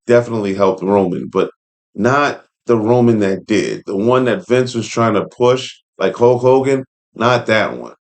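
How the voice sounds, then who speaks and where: A man hosting a casual read-along commentary, speaking in an informal, opinionated way with conversational asides. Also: mid-range voice. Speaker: host and commentator. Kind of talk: casual commentary while reading an article aloud.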